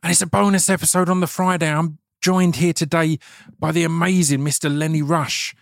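A man's voice: a little high, little pitch movement, fairly quick, vocal fry, dry recording, clean studio sound. A middle-aged man with an Essex accent hosting a casual podcast, chatty and informal, often restarting his words. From Essex, England. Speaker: podcast host.

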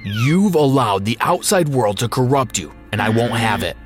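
A man voicing a stern, angry Amish father with a rough, harsh voice in a narrated story. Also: medium pitch, sing-song, measured pace, faint music behind. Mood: furious, strict. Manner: scolding, forceful. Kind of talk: acted dialogue in a narrated story.

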